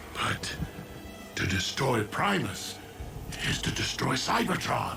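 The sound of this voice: A man's cartoonish character voice at medium pitch, fairly slow, over loud background noise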